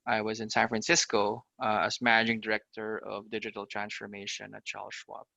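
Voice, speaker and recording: Gravelly, bright-voiced man. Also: fairly low pitch, completely flat delivery, fairly quick, no echo, dull audio. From Philippines. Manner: upbeat, talks in long runs full of "uh" and "you know". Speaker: guest, fintech startup founder. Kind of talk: casual podcast interview.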